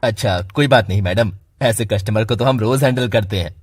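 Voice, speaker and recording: Cartoon role: a snide shopkeeper, husky voice, dry close sound. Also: male voice, fairly low pitch, fairly quick, no echo. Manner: polite to rich clients, dismissive to poor. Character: rude, moody shopkeeper. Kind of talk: cartoon voice acting.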